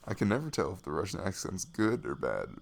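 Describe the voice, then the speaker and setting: A man acts out a young American guy as an affectionate best friend in a cozy ASMR roleplay. His voice sits fairly low with plenty of fry and moves in a lively way. He rambles casually, goofy and self-deprecating. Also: a little fast, heavily acted. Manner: rambling, giggly, self-deprecating, drops into murmurs.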